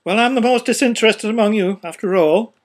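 A fat, well-off storybook businessman acted out by an older woman reader. The voice is husky and pushed up, louder and emphatic. He is blunt, offhand and jovially callous. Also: on the high side, a little fast, voice pushed up, natural voice. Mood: callous joking.

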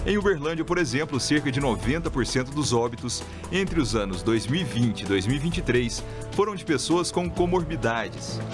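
A man from Brazil reading scripted local news as a radio presenter, in a steady announcer delivery. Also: medium pitch, normal speed, hardly any pauses, music in the background.

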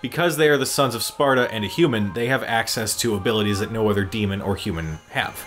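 A gaming commentary host talks over cutscenes and their music, giving loose, explanatory commentary like an enthusiastic fan. His voice is lowish and his pace is quick.

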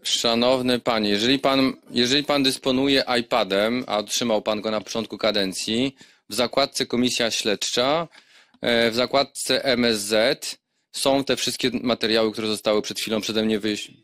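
A man chairing a formal parliamentary hearing, speaking in a mid-pitched voice at a table microphone. His delivery is measured and admonishing, broken by frequent hesitations. The sound is close and dry. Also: fairly even intonation, fairly bright tone, no echo. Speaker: committee chairman.

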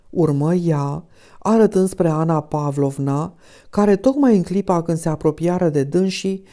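A woman narrating a classic novel as an audiobook in a calm, even reading. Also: low-pitched. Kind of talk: scripted narration.

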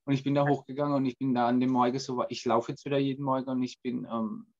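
A man's voice: mid-range voice, flat delivery, fast, a little mellow, lo-fi sound. A man taking part in an online coaching group, telling a story plainly and eagerly and stumbling over some words. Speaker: participant. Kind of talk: casual chat on a video call.

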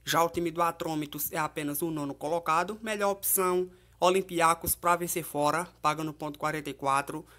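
A man's voice: fairly high pitch, fairly even intonation, a little fast, pushed and bright. A man with a Brazilian accent presenting informal football betting previews as a tipster, in a conversational way with frequent tag questions. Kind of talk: informal match preview and betting tips commentary.

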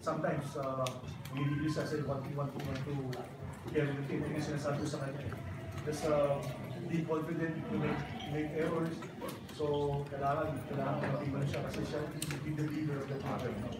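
A middle-aged man with a Filipino accent answers reporters at a post-game press table, switching between Filipino and English. He stops often and reaches for filler words. His slightly high voice bounces around a very echoey room, caught by a mic set far from him over loud background noise. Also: level tone. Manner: mixes Filipino and English, halting with many fillers. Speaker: basketball coach. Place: press room with sponsor backdrop. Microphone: table microphones, heard from a distance.

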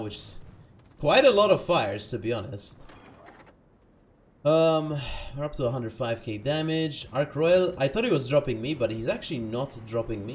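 A man's voice: medium pitch, slight background noise. Chatty man commenting on his gameplay. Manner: chatty, self-correcting, laughs at himself. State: just woke up.

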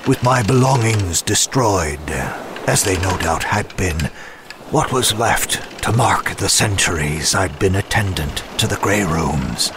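An actor playing a solemn, reflective centuries-old attendant in an audio drama monologue, formal, measured and pensive. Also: male voice, sits low, expressive. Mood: melancholy, reflective. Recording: clear background noise under voice.

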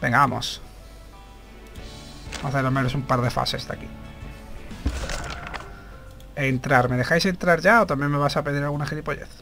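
A man's voice: mid-range voice, fairly even intonation, normal speed, vocal fry, pauses often, bright, forceful tone, faint music behind. A man doing casual gameplay commentary, chatting to his viewers and swearing now and then. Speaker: gaming channel host.

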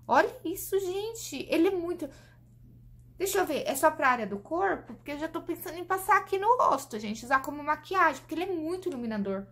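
A high-pitched Brazilian woman chats eagerly to camera, reviewing beauty products. She keeps calling out to her viewers while she tries each one on her hands. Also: animated, brisk, fairly bright tone. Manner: chatty, enthusiastic, addresses viewers as "gente"; demonstrating products while talking. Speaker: beauty vlogger.

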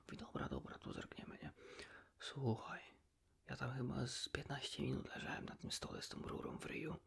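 A man's voice: mid-range voice, wildly swooping pitch, a little fast, vocal fry, slightly rough. A man whispering a casual ASMR chat, confiding in the listener in an informal storytelling way. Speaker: ASMR video host.

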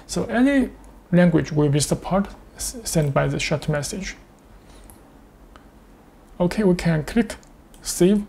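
A man demonstrates a product step by step in halting English. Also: sits high, lively intonation, gravelly, warm tone, slight background noise. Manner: step-by-step, halting non-native English phrasing. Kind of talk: screen-share tutorial with live demonstration.

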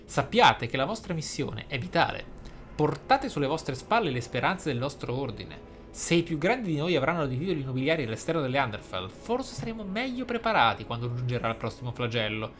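A man reading game journal entries aloud for a let's play, measured and slightly theatrical, with short asides. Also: mid-range voice, big pitch swings, a bit bright. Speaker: gaming YouTuber. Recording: clear background game ambience noise.

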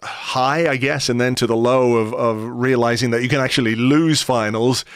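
Smooth-voiced middle-aged male podcast host. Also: medium pitch, steady tone, no echo, studio quality. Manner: measured, wordy questions with restarts. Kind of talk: conversational interview.

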